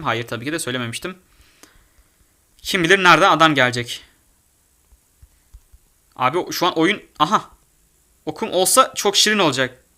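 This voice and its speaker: A young man giving excitable gameplay commentary as a gaming YouTuber, often shouting and swearing in panic. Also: a little high.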